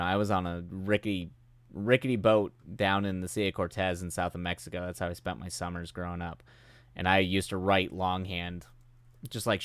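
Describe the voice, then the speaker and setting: A low-pitched man talks loosely to his live chat, rambling and poking fun at himself with frequent laughs. He's getting sick and his voice is beginning to wear out. The sound is close and dry, with no room around it. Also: clean tone, no echo. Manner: rambling, self-deprecating, laughs often. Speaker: streamer hosting writing sprints.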